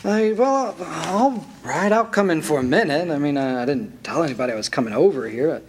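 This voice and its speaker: An actor playing an awkward, stubborn young small-town man in love, stammering and halting in a staged radio drama reading. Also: fairly high pitch, animated, husky. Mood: flustered, evasive. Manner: stammering, halting, repeating words. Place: stage, live broadcast reading. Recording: noisy live stage microphone recording.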